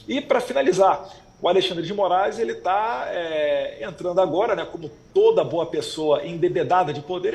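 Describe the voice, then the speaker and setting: A man with a notably high voice speaks over a video call. He argues emphatically, piling point on point. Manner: rapid, argumentative, emphatic. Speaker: remote guest. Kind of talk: political commentary and chat.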